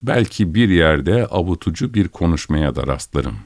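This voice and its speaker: A man narrating an audiobook in a measured, musing reading voice. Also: low voice, lively intonation, a little mellow, dry recording, clean studio sound.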